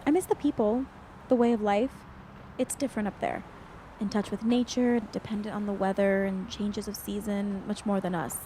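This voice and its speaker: A woman's voice: mid-range voice, fairly even intonation, moderate pace, mellow, a little hiss or hum, natural voice, rough recording. An actress playing an anxious, homesick young woman with a wry streak in an audio drama, speaking casually. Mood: wistful. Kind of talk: acted dialogue in an audio drama podcast.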